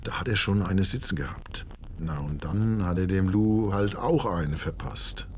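A man's voice: deep voice, measured pace, slight background noise. An actor playing an agitated local concertgoer with a Hessian German accent, telling his story colloquially and indignantly in a radio play. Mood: indignant, excited. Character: agitated local concertgoer, gruffly recounting a rock-show brawl.

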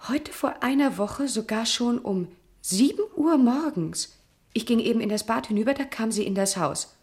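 A woman's voice: on the high side, expressive, normal speed, darkish tone. Prickly, precise young woman. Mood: precise, composed. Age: 20s. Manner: pointed, precise, slightly indignant. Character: young household lady companion, prickly, precise, haughty suspect. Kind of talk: German radio crime drama acting.

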